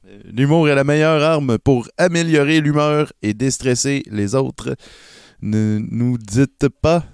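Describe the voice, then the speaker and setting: A man with a Québécois French accent presenting a tips segment on a casual radio show, deliberate and hesitant. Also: mid-range voice, darkish tone, clean tone, no room sound, clean studio sound.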